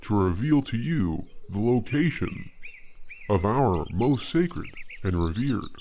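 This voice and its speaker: A man's voice: lowish voice, lively intonation, slow pace, warm tone, slight background noise. A man voicing a grand, ceremonial tribal chief in a comedic old-style radio play.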